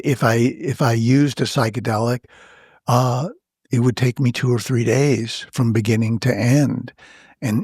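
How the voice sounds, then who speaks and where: An older man, an author and guest in an interview, telling his story in a reflective, unhurried way with frequent pauses. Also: medium pitch, a little mellow, slightly rough, no room sound, clean studio sound. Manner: unhurried, thoughtful, with frequent "you know" pauses.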